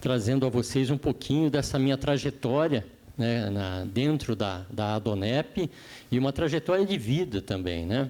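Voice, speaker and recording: Intonation is lively while the speaker keeps to a fairly slow pace. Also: man. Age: 60s. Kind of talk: testimony. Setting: dinner event with audience. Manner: hesitant, many fillers.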